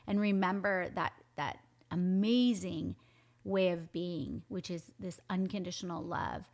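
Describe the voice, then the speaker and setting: A woman's voice: on the low side, gravelly. A middle-aged mother, a guest on a faith podcast, speaking in a nurturing, reflective and earnest way. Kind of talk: casual heartfelt chat.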